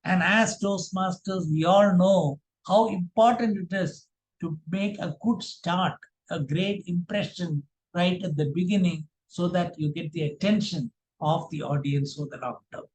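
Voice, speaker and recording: Guy giving a speaking lesson, kinda high voice, emphatic and deliberate, roomy echo. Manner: deliberate, emphatic phrasing in short chunks. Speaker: public speaking trainer. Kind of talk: instructional workshop presentation. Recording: roomy, echoing sound.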